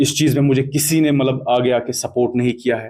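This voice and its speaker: A man's medium-pitched voice, a plain, everyday voice, with fairly even intonation. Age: 30s. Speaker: cricket commentator. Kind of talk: interview.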